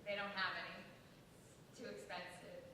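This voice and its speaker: Actress doing calm old flame in a stage play, highish voice, big echoey hall with noise behind. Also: female voice, normal speed, natural voice. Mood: matter-of-fact. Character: composed woman reuniting with an old love. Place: theater stage. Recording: echoey hall, distant mic, background rumble.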